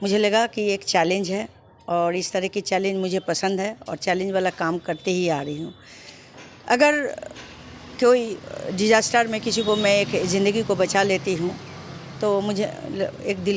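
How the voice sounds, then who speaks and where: The woman talks at a medium pitch, her pitch moving in an ordinary way, as noticeable background noise carries on. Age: 60s. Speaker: social worker and mayoral candidate. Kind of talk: street interview.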